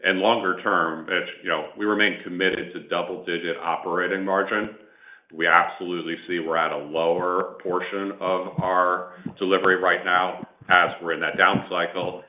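A man speaking as a company executive on an earnings call, answering in measured, emphatic corporate phrasing. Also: sits low. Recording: echoey, band-limited conference phone line.

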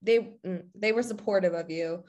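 A woman's voice: fairly low pitch, moderate pace, a little mellow. A woman hosting a podcast, asking questions in a casual, upbeat and encouraging way, laughing often. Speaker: podcast host. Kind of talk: casual interview chat.

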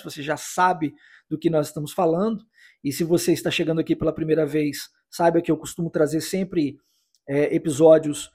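A Brazilian man with a Brazilian Portuguese accent hosting a podcast English lesson, explaining slowly and patiently and repeating phrases for the listener. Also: fairly high pitch, darkish tone, slightly rough. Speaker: English teacher and podcast host.

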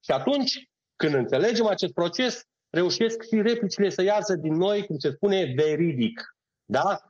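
A high, animated man's voice comes from an acting teacher teaching on a podcast. He walks through steps one by one and checks that his listener is following, all in dull, lo-fi audio.

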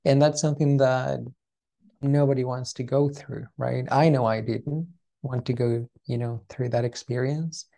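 A man who is the guest on an interview, explaining his views earnestly and ending many points with a quick "right?". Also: mid-range voice, steady tone, vocal fry, dark tone. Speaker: guest, founder of a pronunciation coaching business. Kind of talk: casual interview chat.

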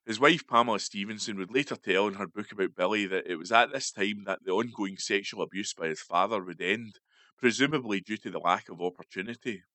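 Man, low voice, steady read-aloud news feature, dry close sound. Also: fairly quick, no echo. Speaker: newspaper article reader.

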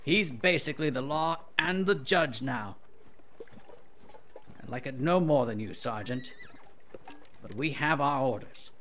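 A man playing a stern, resigned commanding officer in a role-play drama, speaking with measured authority. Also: mid-range voice, a bit bright, a little hiss or hum, natural voice. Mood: weary, resigned. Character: stern, resigned male commanding officer in an old mining town.

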